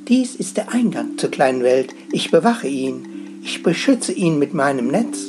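A calm old guardian spider from a spoken fairy tale speaks in slow, measured words, voiced by a man. Its voice rises and falls in a lively sing-song. Soft music sits faintly behind. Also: fairly high pitch. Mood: solemn. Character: calm wise spider guarding a tiny world.

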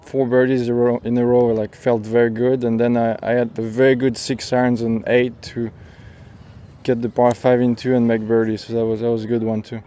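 Flat, mellow man in interview. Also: medium pitch, moderate pace. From France. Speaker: professional golfer being interviewed. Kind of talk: casual post-round interview.

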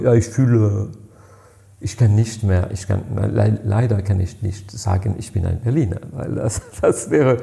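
A man in his sixties with a French accent, speaking slowly and haltingly, reaching for words between fillers. His fairly low voice is mellow and noticeably gravelly. He talks in the manner of an interview guest telling old stories. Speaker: party president, guest. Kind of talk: interview answers, storytelling.

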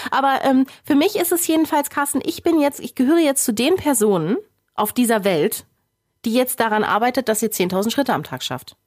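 Chatty, teasing woman podcast co-host. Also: on the high side. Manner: teasing, chatty, full of fillers. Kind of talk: casual chat.

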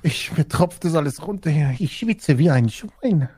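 Playful man with a very lively pitch. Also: moderate pace, a little hiss or hum. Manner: jokey, playful. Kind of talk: casual banter.

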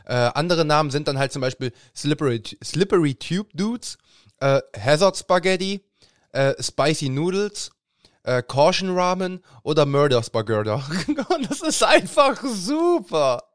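A man's voice: on the high side, big pitch swings, a little slow, dry recording, clean studio sound. A young man, a student facing exams, co-hosting a casual podcast and often laughing through his words. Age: young adult. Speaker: podcast co-host. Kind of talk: casual chat.

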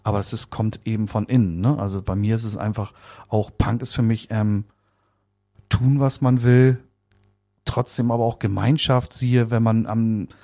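A man's voice: fairly low pitch, fairly even intonation, moderate pace, warm tone. A man of about fifty being interviewed, talking in a casual, rambling, colloquial way and often repeating words. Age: around 50. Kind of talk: casual conversational recollection.

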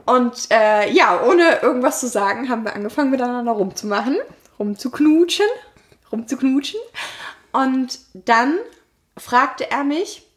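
A woman's voice: on the high side, normal speed. A woman, co-hosting a podcast and telling personal stories in a casual, playful, giggly way. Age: late 20s. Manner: giggly, playful, animated storytelling. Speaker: podcast co-host. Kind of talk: casual chat, personal storytelling.

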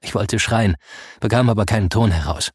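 A man narrating a first-person audiobook in a soft, grave storytelling manner. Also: lowish voice, fairly quick, slightly rough, dry recording, clean studio sound.

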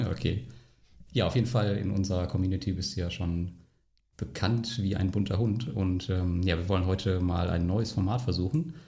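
A man's voice: low-pitched, fairly even intonation, moderate pace, vocal fry, warm tone. A man hosting a podcast, talking in an easygoing, casual way. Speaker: podcast host. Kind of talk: casual conversation.

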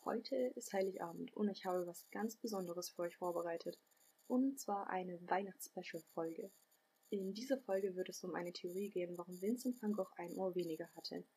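A woman's voice: on the low side, normal speed, dark tone, a little hiss or hum. A woman hosting a podcast, giving a friendly episode introduction. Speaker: podcast host.

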